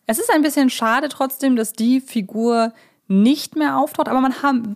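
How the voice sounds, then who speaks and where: A woman's voice: on the high side, darkish tone. A woman hosting a podcast in a chatty, wordy style with stop-and-start phrasing. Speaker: podcast host.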